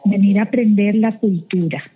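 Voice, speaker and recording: A woman's voice: medium pitch, moderate pace, a little hiss or hum. A woman from Colombia, guest on a show, giving firm advice over the phone. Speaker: guest, event organizer. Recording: tinny phone line.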